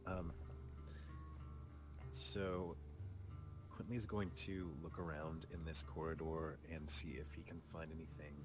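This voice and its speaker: Deep-voiced man playing a tabletop game. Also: level tone, slow, long pauses. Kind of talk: casual gameplay talk, describing his character's actions. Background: music.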